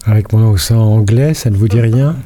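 A man's voice: lowish voice, normal speed, dark tone. An older man from France giving a local radio culture column, telling an anecdote in a playful, storytelling way and quizzing the host. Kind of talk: radio chronicle, partly read.

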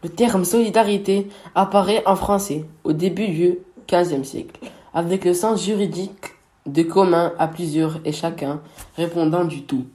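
A man's voice: sits high, fairly even intonation, moderate pace, warm tone. A man co-hosting a radio show about words, reading his part and teasing his partner playfully. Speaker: co-host of a word radio show. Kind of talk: scripted radio chat with teasing banter.

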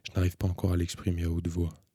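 A soft-spoken young wife, voiced by a male audiobook reader, speaks in a hushed, halting way. The low, husky voice stays dark and flat, with barely a lift above the reader's own, in a dry, close recording. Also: no echo. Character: quiet grieving young wife opening up. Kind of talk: audiobook reading.

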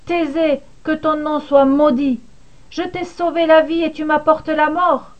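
A woman voicing an abandoned young woman who curses her lover in slow, declamatory grief. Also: sits high, little pitch movement, voice pushed up. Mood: anguished. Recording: dull lo-fi recording.

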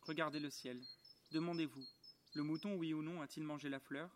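A man reads a storybook aloud in a calm, measured and quietly moved voice that sits a little high for a man. He was recorded outdoors in a garden, with faint outdoor ambience and birdsong behind him. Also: slight background noise. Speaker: reader.

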